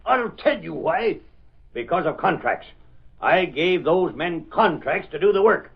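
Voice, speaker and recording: A man's voice: fairly high pitch, expressive, measured pace, creaky, husky, exaggerated voice. An actor playing a pompous, bullheaded old businessman who blusters in a 1930s radio drama. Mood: haughty. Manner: blustering, imperious. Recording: muffled old radio transcription.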